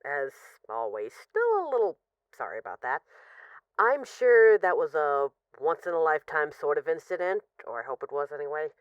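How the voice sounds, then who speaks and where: Woman acting as female mafia boss, affectionate and wry, smooth voice, swooping intonation, hesitant conversational voicemail delivery, audio roleplay, slightly muffled dry recording. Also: sits low, very animated, normal speed, no echo. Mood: wistful, apologetic. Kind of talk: scripted audio roleplay as intimate rambling voicemails.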